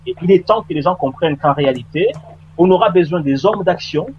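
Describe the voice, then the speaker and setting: A man speaking as a guest in a radio debate, earnest and hesitant, with many pauses and fillers. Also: on the high side. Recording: dull lo-fi radio line with faint noise.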